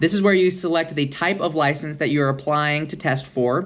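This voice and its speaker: There is noticeable background noise as a man speaks at a moderate pace. His pitch is fairly high, with ordinary pitch variation. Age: 20s. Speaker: electrician and business owner. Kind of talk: tutorial.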